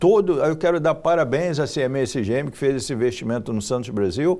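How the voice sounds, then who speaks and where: A man with a dark, mellow tone talks at a moderate pace. His intonation is lively, with vocal fry. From Brazil. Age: 60s. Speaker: shipping industry executive. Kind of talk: interview.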